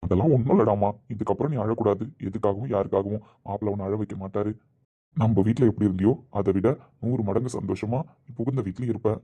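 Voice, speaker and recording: A man's voice: lowish voice, quick pace, mellow, slightly rough. A man speaking dramatic dialogue in an earnest, tender way. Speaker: actor in a family drama.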